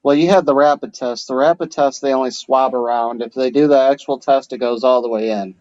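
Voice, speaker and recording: A man's voice: medium pitch, steady tone, a little fast, darkish tone, no echo, lo-fi sound. A man co-hosting a podcast in casual chat, adding short comments and corrections. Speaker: podcast co-host.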